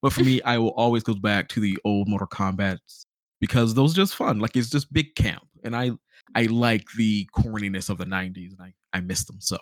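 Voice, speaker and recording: Casual low-voiced man hosting a podcast. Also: a little fast, dry recording. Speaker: podcast host. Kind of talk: casual chat.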